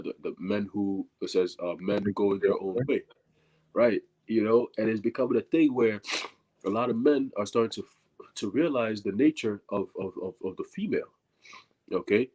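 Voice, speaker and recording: A man with a stuffy voice from allergies, speaking up over a video call in halting, repetitive sermon talk. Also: on the low side, darkish tone, rough recording. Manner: halting, many repeated words and "you know". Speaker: fellow congregant speaking on a call. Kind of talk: informal preaching.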